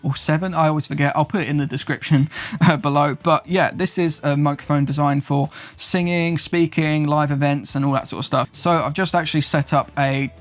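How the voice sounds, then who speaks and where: A man's voice: fairly high pitch, steady tone, brisk, faint music behind. A young man hosting his own channel, chatting casually and upbeat as he explains recording gear step by step. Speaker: YouTube host, videographer and podcast producer. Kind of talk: casual gear tutorial to camera.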